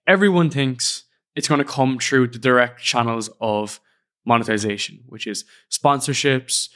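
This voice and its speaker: A man's voice: mid-range voice, a bit bright. A young man with an Irish accent, hosting his own podcast and reflecting in a casual, earnest way. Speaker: podcast host. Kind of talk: solo podcast monologue. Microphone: studio podcast microphone.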